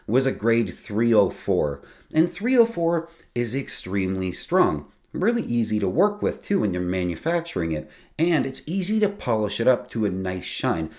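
A man in his forties hosting a sailing channel, explaining boat technicalities to camera in a casual, conversational way from a small home studio. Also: medium pitch. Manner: lively, conversational, explains technical detail plainly.

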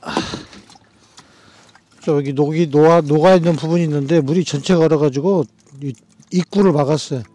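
A man chatting casually to viewers as a camping vlogger, talking things through in an unhurried, thinking-aloud way. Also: fairly high pitch, steady tone, dark tone, dry recording. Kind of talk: casual vlog chat.

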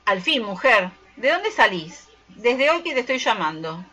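A woman's voice: fairly high pitch, big pitch swings, a little slow, music in the background. A woman acting a domineering, scolding Argentine mother in an amateur radio play. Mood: impatient. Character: domineering scolding mother, middle-aged widow, melodramatic.

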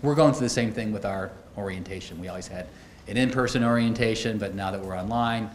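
A middle-aged man with a lowish voice talks at a quick pace during his podium keynote. He spins conversational stories with wry side comments. The sound comes through podium microphones in an echoey auditorium with slight background noise.

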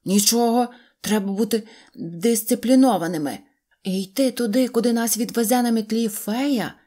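A woman's voice: fairly high pitch, moderate pace, warm tone, natural voice. A woman voicing a bossy old male tin-soldier general in a storybook, speaking commandingly and indignantly.

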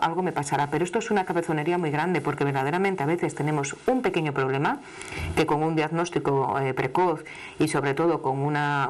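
A television tarot reader, a middle-aged woman from Asturias, Spain, speaks in an Asturian Spanish accent with a low, deep voice during a live reading in the studio. She addresses the caller emphatically and familiarly, her words carrying a chatty warmth, while seated at a desk before a studio microphone.

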